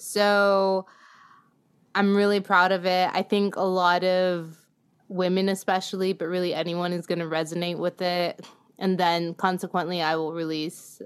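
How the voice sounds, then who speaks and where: A woman speaks in an ordinary speaking voice at a moderate pace. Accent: American. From Texas. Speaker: musician. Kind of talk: casual interview. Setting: remote call. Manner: laughs often.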